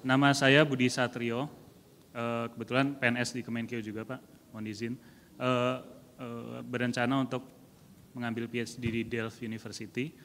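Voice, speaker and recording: A man's voice: medium pitch, level tone, normal speed, a bit bright, long reverb tail, a little hiss or hum. A man, a civil servant in the audience, asking a formal question deferentially, with hesitations.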